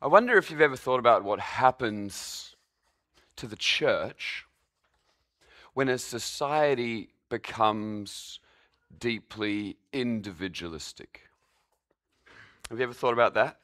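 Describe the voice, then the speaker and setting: Hoarse Australian man preaching. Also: medium pitch, slow pace, pauses often, fairly bright tone. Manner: conversational, asks the congregation questions. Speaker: pastor. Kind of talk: sermon.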